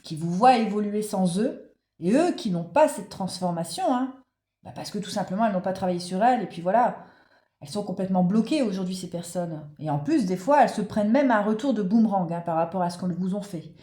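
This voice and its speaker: A woman's voice: mid-range voice, lively intonation, fairly quick, mellow, echoey room. A woman with a cold and sore throat giving a casual oracle card reading, speaking straight to her viewers with many fillers. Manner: chatty, many fillers, addresses viewers directly. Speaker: spiritual card reader.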